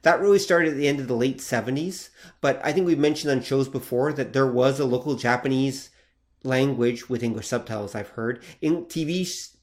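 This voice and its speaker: A man's voice: mid-range voice, brisk. A man co-hosting a podcast, explaining things casually, correcting and adding notes, with jokes. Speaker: podcast co-host. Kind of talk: casual chat.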